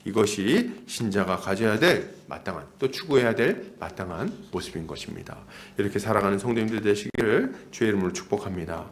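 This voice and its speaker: Guy around 40 doing a pastor's sermon, really animated intonation, repeats stuff for emphasis, asks lots of rhetorical questions. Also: lowish voice, brisk, hardly any pauses, slight background noise. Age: about 40. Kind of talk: expository sermon to a congregation.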